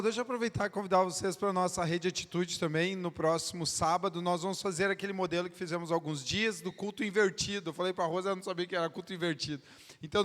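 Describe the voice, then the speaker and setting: A man's voice: high-pitched, fairly bright tone. A man, a pastor giving church notices and then praying. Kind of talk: church announcements and prayer. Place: church sanctuary with worship music. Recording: reverberant hall with music behind.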